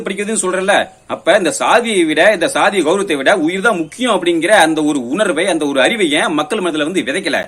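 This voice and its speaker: A man's voice: on the high side, a bit bright. A man giving a confrontational political monologue, firing pointed rhetorical questions in an accusatory way. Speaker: political commentator. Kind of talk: political monologue rebutting an opponent.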